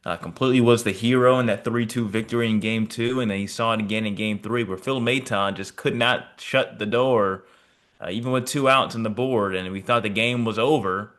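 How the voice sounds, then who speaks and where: With a lowish, somewhat bright voice and fairly even intonation, this sports podcast co-host talks fairly quickly in a casual, let-down way. He fills his speech with fillers and frequent asides.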